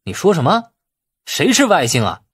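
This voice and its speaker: Man acting proud, hot-tempered heir, animated. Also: fairly high pitch, moderate pace, husky, pitched above the performer's own voice, exaggerated voice. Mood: indignant. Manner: emphatic, indignant. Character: quick-tempered, proud male heir in an urban drama.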